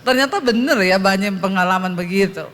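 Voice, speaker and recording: A woman pastor in middle age tells a funny testimony from a church stage as part of her sermon, full of jokes and acted-out quotations. She speaks briskly in a mid-range voice.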